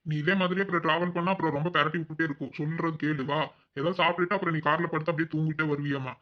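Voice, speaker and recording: A man's voice: on the high side, steady tone, very fast, highs cut off. A man voicing a caring husband in a cartoon, coaxing and reassuring. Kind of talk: cartoon voice acting.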